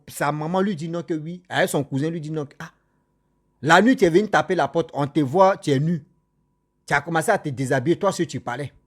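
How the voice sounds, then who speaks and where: A man with a slightly higher than usual voice tells a cautionary story in a loose, conversational way. He repeats phrases for weight and turns often to address his listeners directly. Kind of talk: casual spoken storytelling.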